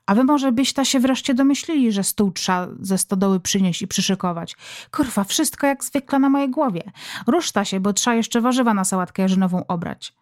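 A woman's voice: mid-range voice, a little fast, a little mellow, no room sound, clean studio sound, lightly acted. A woman voicing a domineering, foul-mouthed middle-aged country mother who scolds her family in rural dialect. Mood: scolding.

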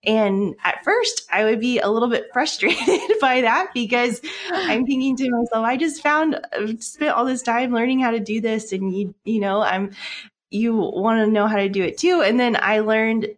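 A woman's voice: a little high, moderate pace. A woman from Seattle, a podcast guest, talking about her craft business in a friendly, chatty way. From Seattle, United States. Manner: friendly, chatty, with small laughs and restarts. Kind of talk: casual interview answers.

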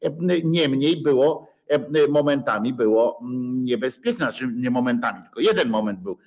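A man's voice: medium pitch, lively intonation, moderate pace, a little mellow. A man hosting a casual livestream chat, rambling and self-mocking with many filler sounds, sore and bruised. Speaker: livestream host. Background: dog present.

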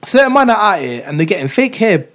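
A man with a noticeably high voice and a London accent hosts a casual chat. He talks like a roadman, leaning heavily on urban street slang. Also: big pitch swings, fast, a bit bright. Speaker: podcast host.

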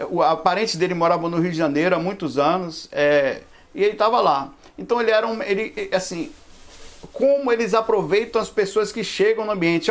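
A man in his forties with a fairly high voice talks to his livestream audience about spiritual matters. He rambles conversationally and keeps dropping in asides, heard through a camera microphone. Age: 40s. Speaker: spiritualist lecturer. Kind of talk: casual livestream talk.

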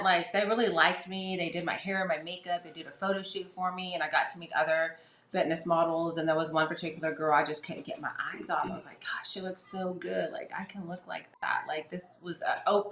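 Middle-aged woman, podcast guest, chatty and rambling, low voice, echoey room. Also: sharp tone. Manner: chatty, many fillers and restarts. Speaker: podcast guest, fitness competitor. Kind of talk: casual storytelling interview.

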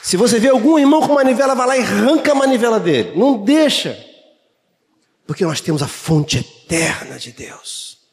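A man preaches with fervor, his high voice swinging from shouts down to near-whispers. He sounds like he is in a church hall with a long, ringing reverb. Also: very animated, moderate pace, slight background noise. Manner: fervent, swings from shouting to hushed. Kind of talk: lively sermon.

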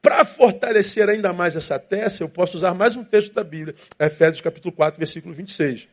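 A man's voice: high-pitched, fairly quick. A man preaching a sermon as pastor, with emphatic repetition and inner voices acted out.

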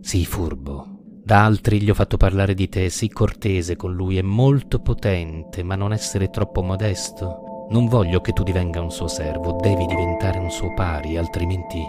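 A man voicing a worldly young woman courtesan in an audiobook reading, teasing and commanding, with low music behind. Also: normal speed, natural voice. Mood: urgent.

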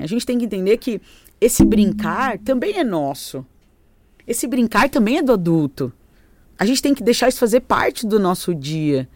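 A woman chatting on a podcast, animated and fond of acting out quoted voices. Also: mid-range voice, dry recording. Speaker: podcast guest, company founder. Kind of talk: casual podcast chat.

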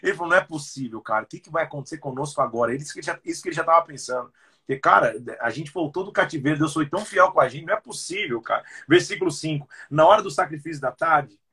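A Brazilian pastor with a husky, slightly raised voice and a Brazilian Portuguese accent. He preaches in a relaxed, slangy way, retelling scripture as everyday talk during a livestreamed Bible commentary. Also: a little high.

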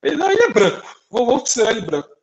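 A man's voice: extremely high pitch, racing, low-quality recording. A young adult man from Brazil, co-hosting a casual podcast chat and telling stories, acting out the people in them with quoted voices. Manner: animated, acts out dialogue in quoted voices. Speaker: podcast co-host.

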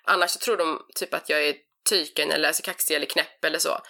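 Brash, outspoken low-voiced woman. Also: fairly even intonation, gravelly, bright, forceful tone. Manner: brash, outspoken, swears, mixes in English. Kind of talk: casual podcast chat.

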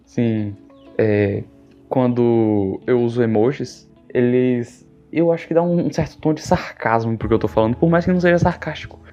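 A man's voice: mid-range voice, moderate pace, warm tone, dull audio, soft background music. A young man from Brazil, hosting a podcast over a video call, rambling jokily and often trailing off and restarting. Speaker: podcast host. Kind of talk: casual rambling monologue. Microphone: video call mic.

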